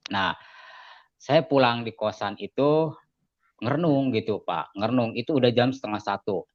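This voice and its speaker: A man giving a casual spoken testimony as an interview guest, telling his story in an animated way and acting out the lines of other people. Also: normal speed, no echo. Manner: animated storytelling, acting out quoted dialogue with raised pitch. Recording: dull, slightly lo-fi dry sound.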